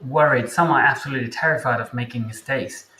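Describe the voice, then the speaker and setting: A man who teaches English hosts a casual interview chat, talking in a chatty way and thinking aloud with pauses. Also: medium pitch, reverberant, over a noisy crowd, low-quality recording.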